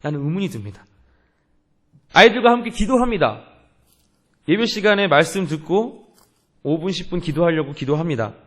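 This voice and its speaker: A man's voice: fairly high pitch, animated, brisk. Earnest young man preaching a sermon. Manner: earnest preaching, asks the congregation questions. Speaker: youth pastor.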